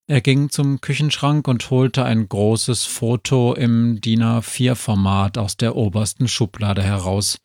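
Slow, measured male storyteller. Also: mid-range voice, fairly even intonation, a little mellow, dry recording, studio quality. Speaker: narrator. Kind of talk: audiobook reading.

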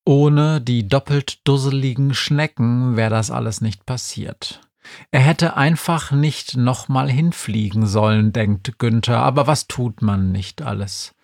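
A man narrating a children's audiobook in a wry, deadpan storytelling manner. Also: medium pitch, unhurried, creaky, no echo, studio quality.

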